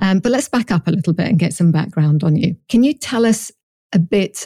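Her tone is dark and mellow. This woman sounds somewhat breathy. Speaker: podcast host. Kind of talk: interview conversation.

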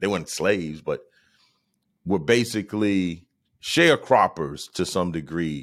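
In a very clean recording with a silent background, the speaker uses an American accent and lively intonation at a fairly slow pace. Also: man. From South Carolina. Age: 40s. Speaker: comedian and podcast host. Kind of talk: casual monologue. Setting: at home.

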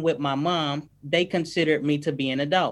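A man talks in an ordinary speaking voice at a fairly slow pace with fairly even intonation. The recording is very clean, with a silent background. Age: 30s. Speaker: criminal justice activist and author. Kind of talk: interview.

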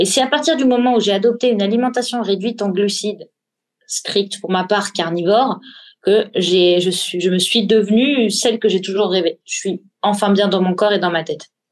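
Using an ordinary speaking voice, a woman talks at a moderate pace with a medium pitch and ordinary pitch variation. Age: 30s. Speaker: naturopath. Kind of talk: interview.

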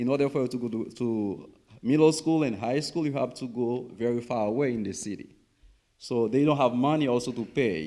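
On a very clean recording with a silent background, a man with a Haitian accent talks fairly quickly in a dark, mellow tone at a medium pitch with ordinary pitch variation. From rural Haiti. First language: Haitian Creole or French. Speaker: graduate student. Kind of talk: testimony. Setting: church.

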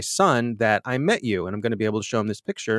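A very fast delivery with ordinary pitch variation, recorded with a dry, close sound and no echo. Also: man. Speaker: podcast host. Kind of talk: casual interview chat. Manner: good diction, modulated delivery.

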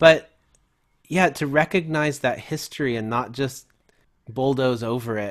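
A man with an American accent talks at a fairly slow pace in an unremarkable speaking voice with ordinary pitch variation. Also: very clean recording, silent background. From US, Pittsburgh suburbs. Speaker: pastor and urban farm director. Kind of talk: interview conversation.

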